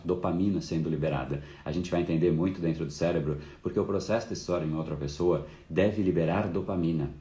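A man's voice: sits low, mellow, reverberant. A man hosting a live course talk, explaining casually and fluently with frequent fillers. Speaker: course host.

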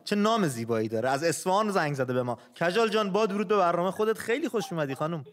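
A male host with a high, lively voice greets callers in a friendly, playful way. His pitch moves a lot as he chats, keeping the call easy and light. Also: a little hiss or hum. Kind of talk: call-in show hosting.

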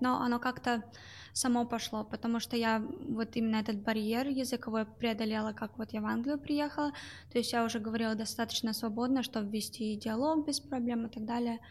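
A woman's voice: a little high, fairly even intonation, fairly quick, a little hiss or hum. A young woman, a guest in an interview, describing her work at a call center, speaking with many hesitations and fillers. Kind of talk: interview answers.

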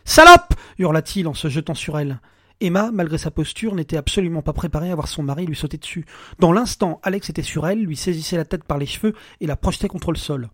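A man narrating a dark short story with measured, dramatic pacing. His voice sits a little high, and the recording is dry and close with no room sound. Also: no room sound.

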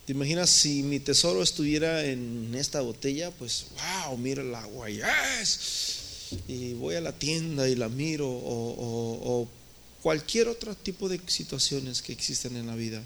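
Speaking at a measured pace, a pastor delivers a sermon in a church in the United States, calling his listeners brothers and using rising and falling emphasis. His medium-pitched voice is expressive, gravelly and fairly bright, with a little hiss or hum in the recording.

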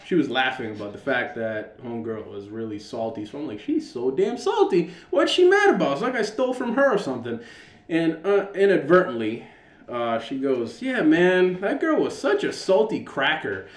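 An American man with a loud, carrying voice co-hosting a podcast, telling stories casually, swearing freely and acting out what people said. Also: fairly high pitch, moderate pace. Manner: animated, profane, acts out reported dialogue. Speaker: podcast co-host. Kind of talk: casual storytelling banter. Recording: echoey room.

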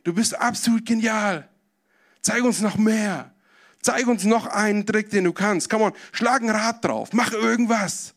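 A man doing an excited cheering crowd. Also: high voice, a little fast, voice pushed up. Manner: loud, excited, slangy cheering.

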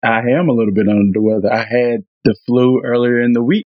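A man co-hosting a podcast, voice raspy after the flu, speaking in an earnest, reflective casual chat. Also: medium pitch, steady tone, a little fast, dry recording, dull audio. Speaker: podcast co-host and audio engineer.

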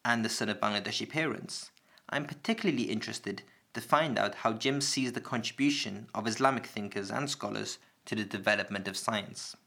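A British man presenting a radio programme, reading a scripted introduction and asking interview questions in a measured, calm way in an office. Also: lowish voice. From Britain. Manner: measured, calm, clearly read. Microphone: studio microphone in an office.

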